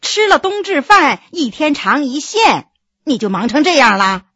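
A woman's voice: high-pitched, sing-song, measured pace, pushed and bright, no echo, heavily acted. A woman voicing a coquettish young noble wife who teases and chides her husband in a storybook reading. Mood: coquettish, chiding. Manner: coquettish, scolding, chatty.

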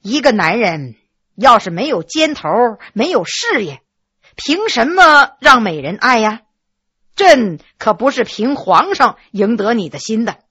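A woman's voice: mid-range voice, bright, forceful tone, slightly rough, pitched below the performer's own voice, exaggerated voice. A woman voicing a commanding, doting middle-aged emperor who speaks indulgently and soothingly, in a slightly muffled recording. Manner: indulgent, soothing, then overjoyed.

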